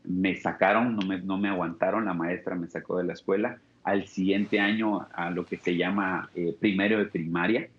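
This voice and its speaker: A young man with a Guatemalan Spanish accent shares his life story in an interview, earnest and reflective, often breaking off and starting his phrases again. His voice sits fairly low. The sound is dull and lo-fi. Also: fairly even intonation, normal speed, few pauses, echoey room. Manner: earnest and reflective, with frequent restarts. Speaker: interview guest. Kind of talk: personal testimony.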